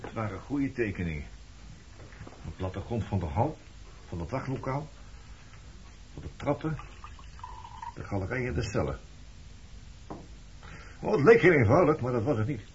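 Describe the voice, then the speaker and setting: A man's voice: mid-range voice, lively intonation, moderate pace, pauses often, close to an everyday voice. An actor playing a reserved, evasive former resistance man in a Dutch radio play, talking in a guarded way. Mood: reflective. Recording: muffled, noisy old radio recording.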